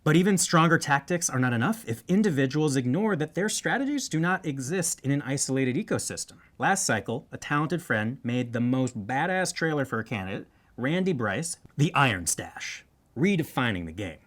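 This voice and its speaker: A man's voice: medium pitch, very animated, normal speed, fairly bright tone. A man hosting a satirical news show, delivering scripted political commentary in a wry, tongue-in-cheek way.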